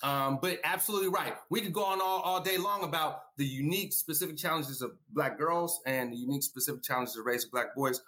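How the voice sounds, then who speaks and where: A male guest educator on a discussion panel, his voice pitched a little high. He argues earnestly, circles back over his points and keeps checking with "right?". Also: a little fast, hardly any pauses, bright, forceful tone. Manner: earnest, repeats himself, tags points with "right?".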